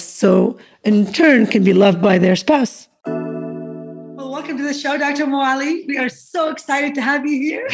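A woman's voice: on the high side, vocal fry. A woman who grew up in Iraq, co-hosting a podcast, chatty and open, laughing easily. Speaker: podcast co-host. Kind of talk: casual podcast interview.

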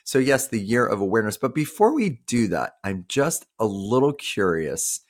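Male podcast host, 50s, animated pitch, casual and teasing conversational delivery. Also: normal speed. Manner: playful, teasing banter. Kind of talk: casual chat.

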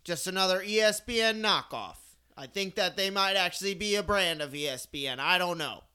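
A man plays a self-important small-town sports anchor who boasts and trips over his own words. His voice is high and bright, with a tense, forward edge. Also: expressive, brisk, clear, resonant tone, heavily acted. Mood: boastful. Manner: boastful hype-man, stumbling pitch. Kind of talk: improvised comedy sketch.

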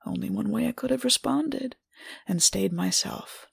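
A woman's voice: fairly high pitch, lively intonation, vocal fry, husky, no echo, heavily acted. Woman acting as introspective, unsettled adventurer, close dry sound. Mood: solemn, awed. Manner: reflective, measured, literary phrasing with deliberate pauses. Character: introspective, unsettled woman adventurer recounting her changed self. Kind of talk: scripted first-person narration for an actual-play podcast.

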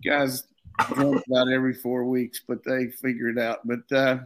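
A man's voice: mid-range voice, level tone, moderate pace, low-quality recording. An older man with a drawl talks football in a loose, folksy ramble. He jokes along and stumbles into repeated words as he goes, with a mid-range voice. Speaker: former football coach, show regular. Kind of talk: casual sports talk.

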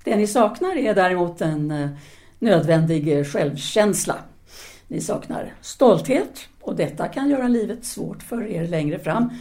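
A woman's voice: on the low side, lively intonation, mellow. An actress playing a self-assured, independent-minded French woman teacher in a 1930s audio drama, speaking formally and didactically. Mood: encouraging. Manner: formal, articulate, didactic, with hesitant pauses.

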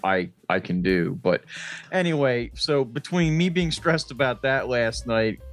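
A man's voice: mid-range voice, expressive, unhurried, faint music behind. A man co-hosting a podcast, chatting casually and swearing freely in an exasperated, self-mocking way. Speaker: podcast co-host.

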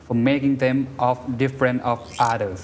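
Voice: medium pitch, extremely slow, slight background noise. A student reading an English passage aloud in a lesson, carefully, and repeating the teacher's corrections.

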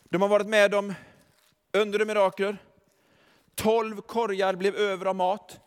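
A man preaching a sermon as pastor, emphatic, swinging from quiet asides to shouted declarations and chuckling often as he tells the story. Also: high voice, level tone, clean tone. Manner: chuckles often while telling. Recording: long reverb of a large hall.

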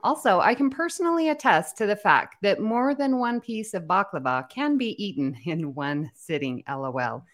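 A woman co-hosting a live podcast, reading listener comments aloud with a lively, easily amused manner. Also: mid-range voice, normal speed, few pauses. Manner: animated, reads comments aloud, laughs easily. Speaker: podcast co-host. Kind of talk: casual live podcast chat.

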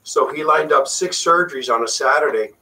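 A middle-aged Puerto Rican facial plastic surgeon, whose first language is Spanish, chats casually as an interview guest. His voice is on the high side and fairly quick, relaxed and full of fillers. He sits far from the mic, and the recording is rough.

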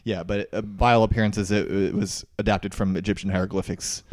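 A man's voice: on the low side, flat delivery, fairly quick, darkish tone, dry recording, clean studio sound. A man hosting a podcast, explaining history in casual, slangy chat with a jokey, informal manner. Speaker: podcast host.

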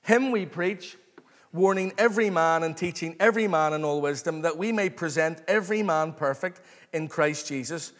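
A man preaching an expository sermon to a congregation, earnest, excited and emphatic, repeating phrases and calling for response. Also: on the high side, moderate pace. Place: large reverberant room, live before a congregation. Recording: long hall reverb.

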